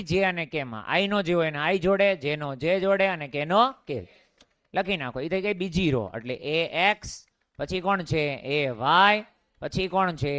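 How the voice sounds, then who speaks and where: Male physics teacher, Gujarati accent, smooth voice with a slightly high pitch, dry close sound, drills the class with questions. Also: fairly bright tone, no room sound. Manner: drilling, repeats each question and answers it himself. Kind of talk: classroom lecture with call-and-response questions.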